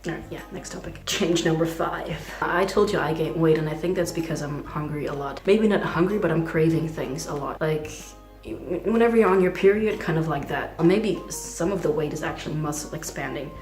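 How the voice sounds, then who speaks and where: A young trans man talking in a casual video diary, hesitant and full of fillers, with a fragile voice that sometimes skips between low and high. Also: brisk, a little mellow, roomy sound, soft background music. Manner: hesitant, many "like" fillers, nervous laughs. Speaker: vlogger.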